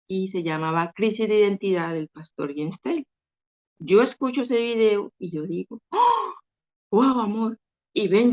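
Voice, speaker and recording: Woman sharing her church testimony, kinda low voice, muffled lo-fi sound. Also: darkish tone. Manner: earnest, retelling dialogue with feeling. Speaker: church member giving testimony. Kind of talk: personal faith testimony. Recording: dull lo-fi sound.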